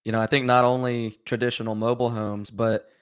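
A man who is a podcast guest, answering questions in a measured, thoughtful way, his voice slightly raspy from a cold. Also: mid-range voice, flat delivery, no room sound, studio quality. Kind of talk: casual interview.

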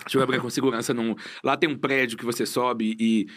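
A young man with a Brazilian Portuguese accent, chatting as a guest and telling stories, acting out what people said. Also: medium pitch. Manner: fast animated storyteller, acts out quotes. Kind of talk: casual chat.

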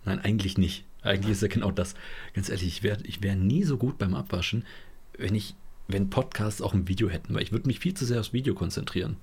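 A man's voice: lowish voice, fast, a little mellow, slightly rough. A man co-hosting a podcast in casual chat, playful and teasing. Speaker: podcast co-host.

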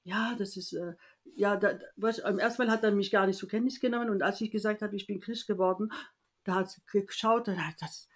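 A woman from France recounts a personal story in an interview at a middle pitch. She talks in a lively way and acts out the voices of people she quotes, often breaking off and restarting her sentences. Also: a little fast.

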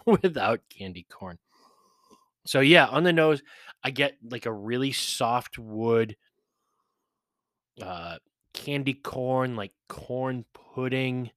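A man's voice: medium pitch, a bit bright, no room sound, studio quality. A man hosting a podcast, giving a blunt, chatty whiskey review with profane, mocking asides. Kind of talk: casual spoken review.

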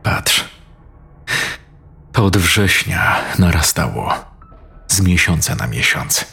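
A man's voice: deep voice, very animated, takes it slowly, gravelly, pushed and bright, slightly rough, full character voice. A man voicing a young man, an old school friend who talks in a conspiratorial, coarse way.

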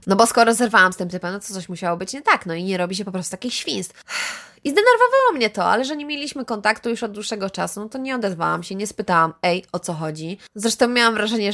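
A woman in her twenties telling viewers a personal story in a candid, chatty way, often turning to address them directly. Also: mid-range voice. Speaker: vlogger.

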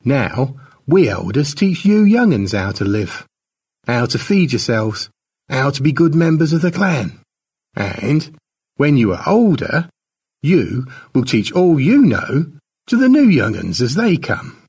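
A man plays a tribal elder passing a sad legend down to the young. The telling is solemn and simple, with pitch that swings widely and a creaky, husky grain. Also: big pitch swings, a little slow, a little mellow, recorded from a distance, heavily acted. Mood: earnest teaching.

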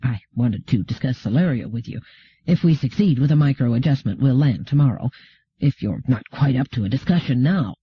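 Dry, wry bearded captain, voiced by a male narrator; lowered husky voice. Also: expressive, normal speed. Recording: dull lo-fi recording.

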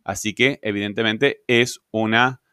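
Low-voiced man teaching grammar. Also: steady tone, a little slow, bright, forceful tone, clean tone, no echo, clean studio sound. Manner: patient, rhetorical checks with ¿verdad? and ¿sí?. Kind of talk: grammar lesson explaining on screen.

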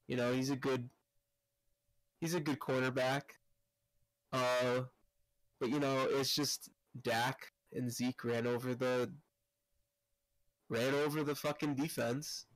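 A man's voice: medium pitch, little pitch movement, slow, pauses often, no echo. A man chatting casually about sports, blunt and loose, with the odd swear word. His mic peaks constantly, so every word has a fuzzy, clipped distortion. The sound is dry and close, with no room around it. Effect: fuzzy clipping distortion from a peaking mic. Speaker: podcast co-host.

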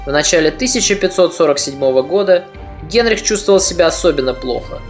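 A woman narrating a history podcast in a measured, reflective storytelling manner. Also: lowish voice, expressive, soft background music.

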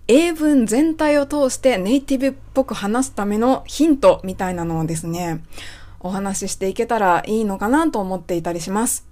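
A woman who coaches English pronunciation, hosting a casual spoken lesson and reading out a listener's email, chatty, with many fillers and soft rephrasings. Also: medium pitch.

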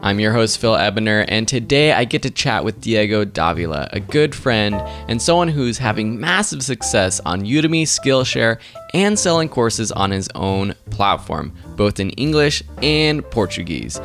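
A man's voice: on the low side, big pitch swings, normal speed, a bit bright, soft background music. A man hosting a podcast, giving a polished scripted intro and then asking interview questions in an upbeat way. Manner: upbeat, polished announcer delivery. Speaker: podcast host.

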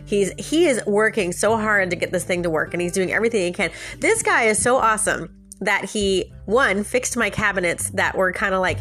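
Sounding congested from a sinus infection, a woman podcast host with a mid-range, slightly bright voice shares a relaxed story. She keeps up frequent little laughs and speaks right to her listeners.

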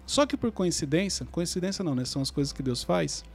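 A man's voice: on the high side, fast talker, gravelly. A man, telling stories from his own life as a podcast guest and acting out past conversations. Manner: animated, acts out remembered dialogue. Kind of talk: storytelling in a podcast interview.

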